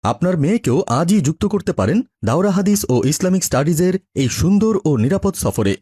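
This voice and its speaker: A man's voice: sits high, sing-song, brisk, dark tone, husky, dry recording, clean studio sound. A man reading scripted promotional narration as an advertisement voice-over artist.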